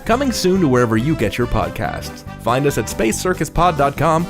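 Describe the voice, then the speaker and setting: A man delivers a scripted promo for a podcast with lively, swinging pitch. His delivery is theatrical and playful, as a trailer announcer. Music plays clearly behind him. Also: brisk. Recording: music under the voice.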